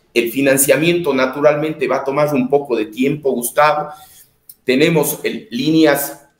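Audible room echo surrounds a man's fairly high voice. He speaks at a fairly slow pace with fairly even intonation. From Ecuador. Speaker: economist, development bank manager; interviewee. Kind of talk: radio interview. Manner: hesitant, repeats words. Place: home room.

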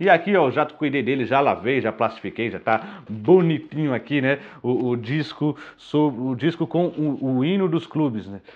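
Faint music plays in the background as a man speaks at a moderate pace with lively intonation. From Bahia, Brazil. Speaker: music YouTuber. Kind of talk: casual vlog monologue. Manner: hesitant, many fillers. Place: home room.

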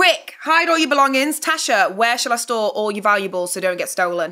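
A woman's raised, projected voice swings very widely in pitch. She barely pauses against a quiet background. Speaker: podcast host. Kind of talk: podcast intro recap. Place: studio. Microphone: studio mic.

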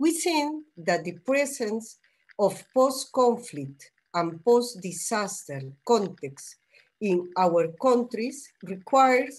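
A woman with a Peruvian accent talks at a very slow pace. Her somewhat breathy voice moves in very wide pitch swings. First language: Spanish. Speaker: community psychologist. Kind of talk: prepared panel remarks. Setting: video call. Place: home room. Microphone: video call.

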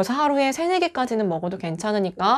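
A woman with a fairly high voice talks against a quiet background. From South Korea. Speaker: teacher giving voice care tips. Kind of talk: tutorial. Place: empty room. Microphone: lapel.

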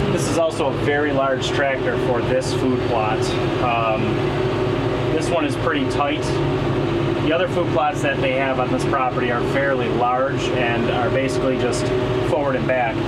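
Against loud background noise, a man speaks at a moderate pace, leaving long, frequent pauses. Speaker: tractor operator vlogger. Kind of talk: casual vlog chat. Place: farm machine. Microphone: camera far.

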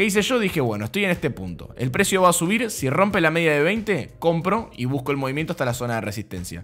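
A man's fairly high voice at a very fast pace, with very wide pitch swings, hardly any pauses and faint music in the background. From Argentina. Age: 20s. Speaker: trading and investing youtuber; investing youtuber. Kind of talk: market analysis tutorial. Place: home room.

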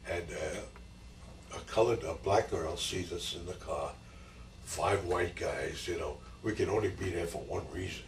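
Fairly slow speech from a man amid light background noise and audible room echo. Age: 80s+. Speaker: grandfather. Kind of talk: interview answer, personal life stories. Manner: casual, joking. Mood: amused, reminiscing. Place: home room. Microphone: old recording.

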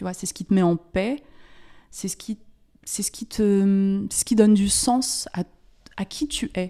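A woman speaks very slowly with long, frequent pauses and big swings in loudness. Her medium-pitched voice is somewhat breathy with a dark, mellow tone and ordinary pitch variation. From France, Saint-Étienne. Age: 40s. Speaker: podcaster and author, former journalist. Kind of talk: casual chat.

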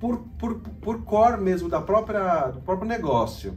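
A man is speaking. Music plays in the background. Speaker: theatre manager. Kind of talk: interview.

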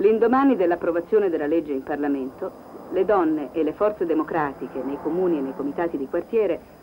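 The talking is fairly quick. There is noticeable noise in the background. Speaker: documentary narrator. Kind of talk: scripted political documentary narration, 1970s campaign film. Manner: formal, measured, declamatory, authoritative, like a campaign newsreel voiceover.

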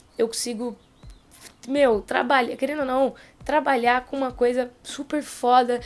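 This is a woman with a high-pitched voice. She talks at a moderate pace. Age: young. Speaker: gaming YouTuber. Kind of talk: casual vlog. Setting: home recording. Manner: animated.

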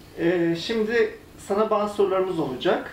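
A man speaks over noticeable background noise. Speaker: oral history interviewer.

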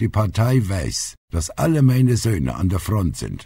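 A man's put-on character voice, growling and raspy, fairly low in pitch, with very wide pitch swings at a fairly slow pace. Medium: read story. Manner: plain-spoken, folksy.

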